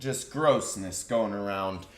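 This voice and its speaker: A man's voice: fairly low pitch, takes it slowly. A man hosting a casual live morning show, talking in a laid-back way and swearing casually. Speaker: host. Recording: echoey room.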